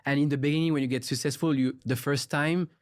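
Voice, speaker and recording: A man from Switzerland hosting a podcast, speaking in a relaxed, reflective way and asking long questions. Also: fairly high pitch, fast, no echo. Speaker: podcast host. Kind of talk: interview conversation.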